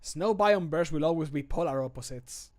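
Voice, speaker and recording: Game role: cocky older male adventurer, voiced by a man, punning, lightly taunting, higher-pitched. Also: normal speed, darkish tone, lightly acted. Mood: dry, punning. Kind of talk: game voice line takes.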